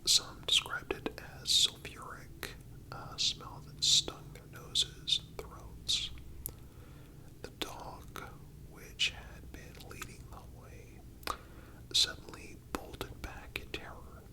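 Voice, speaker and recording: Slow whispering man, ASMR storyteller. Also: rough recording. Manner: measured, deliberate whispering with pauses.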